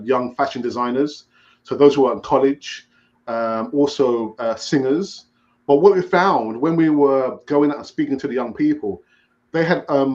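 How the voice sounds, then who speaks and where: A man's voice: medium pitch, darkish tone, lo-fi sound. A man hosting a casual chat show, telling personal stories in a rambling way with many restarts. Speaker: podcast host.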